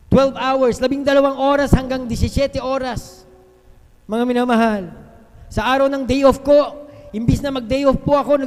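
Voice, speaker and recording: A man giving a fervent testimony at a worship service, repeatedly addressing the congregation and breaking into loud hallelujahs. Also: very high-pitched. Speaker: church member giving testimony. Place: church worship hall. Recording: long hall reverb on a live stream.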